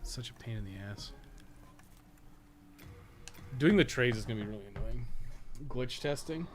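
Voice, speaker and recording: A man's voice: mid-range voice, animated, normal speed. A man giving casual live game-stream commentary, thinking aloud in a rambling, blunt way and swearing freely. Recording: clear background noise.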